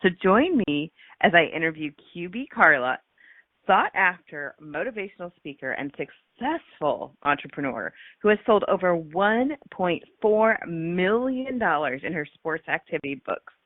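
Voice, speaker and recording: A woman's voice: fairly low pitch, no room sound. A woman hosting a radio show, her voice a little scratchy from a cold, introducing her guest enthusiastically with frequent ums and uhs. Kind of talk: scripted guest introduction and chat. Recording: tinny phone-line sound.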